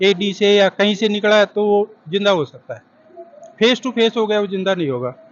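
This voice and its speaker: Despite noticeable background noise, a high-pitched man can be heard speaking at a moderate pace with ordinary pitch variation. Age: 70s. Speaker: retired electricity worker. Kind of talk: interview.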